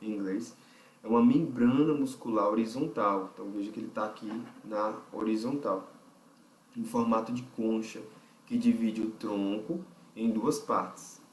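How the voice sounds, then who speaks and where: A man with a Brazilian Portuguese accent teaches a vocal technique lesson, explaining step by step, thinking aloud and checking in with the listener often. His voice is lowish and steady at a moderate pace. The mic is distant and the sound roomy, with slight background noise.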